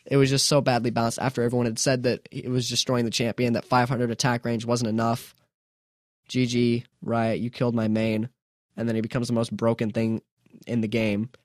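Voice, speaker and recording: Young adult male podcast host, casual and rambling, mid-pitched voice, dry close recording. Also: dry recording. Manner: chatty, self-mocking, rambling with restarts. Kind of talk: casual solo podcast talk.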